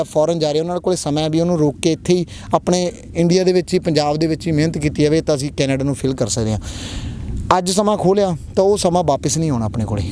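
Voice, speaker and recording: Young Punjabi farmer, earnest, rapid repetitive delivery, handheld mic outdoors. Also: male voice, on the high side, dark tone, a little hiss or hum. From Punjab, India. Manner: earnest, repeats phrases, rallying young people. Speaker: prize-winning dairy farmer. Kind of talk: on-camera interview. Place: outdoor dairy farm. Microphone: handheld mic held by interviewer.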